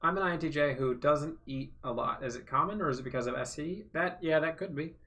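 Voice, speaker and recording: A man hosting a casual livestream from home, answering viewer questions and thinking aloud with many fillers, his voice going hoarse from talking so long. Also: fairly high pitch, fast, sharp tone. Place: home room.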